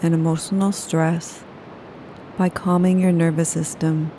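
Female meditation guide, low flat calm delivery, warm dark tone. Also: slight background noise. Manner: slow, soothing, unhurried. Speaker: yoga nidra guide.

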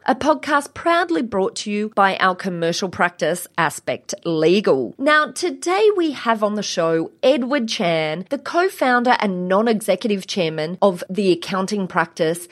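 A woman's voice: medium pitch, very animated, unhurried, hardly any pauses, fairly bright tone. Aussie woman hosting a podcast, friendly, encouraging, easy interviewer voice. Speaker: podcast host and lawyer.

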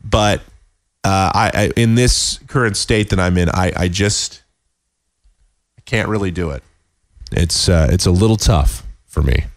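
Sick guy losing his voice on his podcast, kinda low, dry close mic, rambles and restarts a lot. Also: no echo. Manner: rambling, self-deprecating, halting restarts. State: sick with a cold. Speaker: podcast host. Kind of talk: casual solo sports podcast.

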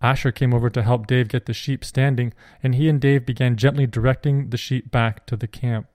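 A man reading a Christian children's adventure story aloud in a steady, clear narration. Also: mid-range voice, a little fast, no room sound, studio quality.

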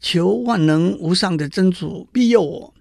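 A man's voice: high-pitched, unhurried, creaky, darkish tone, dry recording, studio quality, exaggerated voice. A man voicing a clever, resolute king from a fairy tale, with a commanding storybook delivery. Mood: feigning weakness.

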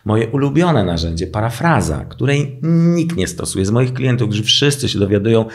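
A man's voice: mid-range voice, moderate pace. A middle-aged man, a relationship therapist, chatting casually and acting out his clients' lines as he tells stories. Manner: animated storyteller, acts out clients' lines. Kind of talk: casual podcast conversation.

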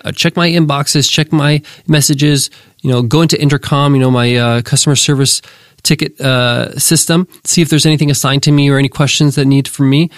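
A man's voice: medium pitch, steady tone, fairly quick, dry recording, clean studio sound. A man hosting a business podcast lesson, sounding nasal and congested from a cold, talking in an upbeat, motivational way straight to his listeners. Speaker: podcast host.

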